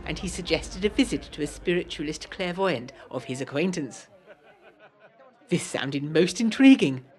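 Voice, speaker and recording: A woman playing a genteel, lively 1920s Englishwoman with an English accent, reading her letters aloud in a prim, articulate way for an audio drama. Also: deep voice, normal speed. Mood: chatty, delighted. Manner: prim, articulate, period turns of phrase.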